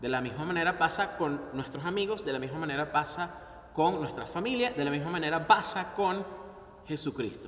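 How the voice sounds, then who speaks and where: A man with a Venezuelan accent talks at a fairly quick pace in a fairly high pitch with lively intonation, amid noticeable background noise and audible room echo. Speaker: pastor. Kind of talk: sermon. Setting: online video broadcast. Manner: halting.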